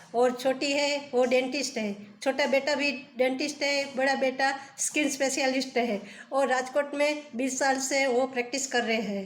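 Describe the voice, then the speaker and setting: Over noticeable background noise, a woman speaks in a high voice with monotone, flat intonation. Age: 60s. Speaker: housewife, club member. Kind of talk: self-introduction.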